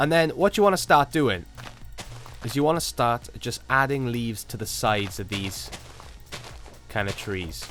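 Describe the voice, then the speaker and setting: With music in the background, the speaker's pitch swings very widely, broken up by long, frequent pauses. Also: man, medium pitch for a man. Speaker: gaming youtuber. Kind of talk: tutorial. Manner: fast; casual.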